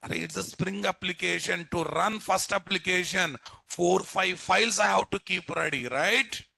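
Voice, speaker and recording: A programming instructor with a Telugu Indian English accent delivers a live classroom lecture, bluntly scolding his students, repeating points and firing off rhetorical questions. His voice sits high with vocal fry, sounding pushed and bright at a normal speed. The recording has no echo.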